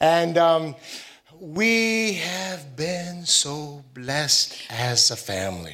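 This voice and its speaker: A fairly high-pitched man's voice with lively intonation, very slow pace and audible room echo. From US Midwest, Michigan. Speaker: missionary preacher. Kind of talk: sermon.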